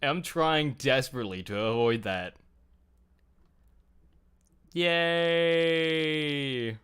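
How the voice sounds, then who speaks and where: A man's voice: fairly high pitch, very slow, a bit bright, smooth. A man hosting a casual group chat on a livestream, talking in a rambling, jokey, self-deprecating way. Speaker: host of a fan livestream talk show. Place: home computer setup, online group call. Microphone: headset.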